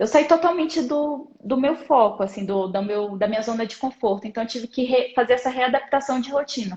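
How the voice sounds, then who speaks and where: A woman talks at a moderate pace in an unremarkable speaking voice with ordinary pitch variation. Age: 20s. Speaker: course student. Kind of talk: mentoring conversation on a live stream.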